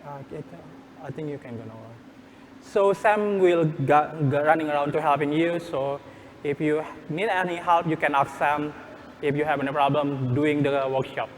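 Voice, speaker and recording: High-voiced man teaching in an echoey hall. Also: steady tone. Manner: halting, repeats phrases. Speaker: workshop presenter. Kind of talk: live hands-on tutorial, step-by-step instructions. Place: workshop room at a conference. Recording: echoey hall, background room noise.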